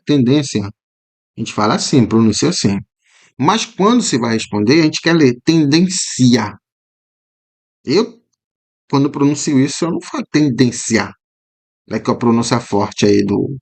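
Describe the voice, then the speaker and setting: A Brazilian man with a Brazilian Portuguese accent walks through exam answers as a teacher, in a mid-pitched voice. He explains patiently, tags his points with "né?", and slowly repeats words to model their pronunciation. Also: creaky. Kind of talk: commented exam walkthrough.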